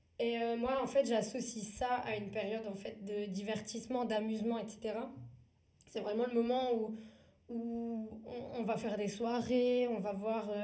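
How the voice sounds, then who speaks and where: Speaking at a fairly slow pace, a woman with a fairly high pitch and a dark, mellow tone keeps a monotone, flat intonation amid audible room echo. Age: 20s. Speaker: podcast host, recent master's graduate. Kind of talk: casual solo podcast talk.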